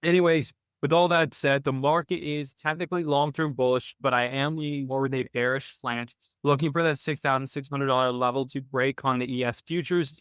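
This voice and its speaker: A man speaks as the host of an informal live coaching call. His voice is mid-pitched and crisp, and he explains things step by step, often restating his points. The sound is close and dry, with very little room in it. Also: fairly even intonation, brisk, fairly bright tone, no echo. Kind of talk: informal financial coaching, live webinar commentary.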